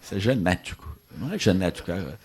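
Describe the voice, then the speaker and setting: A man with a Brazilian Portuguese accent giving a relaxed, joking Buddhist talk to an audience, often repeating little tag phrases. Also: low voice, fast talker, very noisy. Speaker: Buddhist teacher. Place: lecture at a meditation center.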